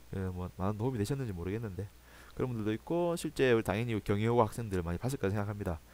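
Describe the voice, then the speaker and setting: Very fast and with lively intonation, a man speaks at a medium pitch. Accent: Busan. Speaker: high school ethics teacher. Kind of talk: recorded lecture, closing remarks to students. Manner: hesitant, many fillers and restarts.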